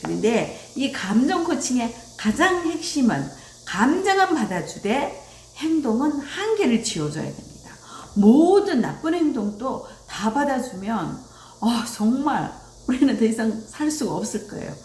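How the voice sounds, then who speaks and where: A woman's voice: fairly high pitch, measured pace. A woman giving a lecture on parenting, speaking animatedly and acting out bits of dialogue. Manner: animated, acts out quoted dialogue. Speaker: parenting educator. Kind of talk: lecture on child rearing. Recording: roomy echo.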